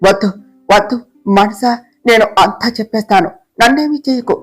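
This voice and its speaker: A woman's voice: fairly high pitch, moderate pace, soft background music, lightly acted. A woman doing a panicked pleading young woman. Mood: frightened, pleading. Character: frightened scheming young woman.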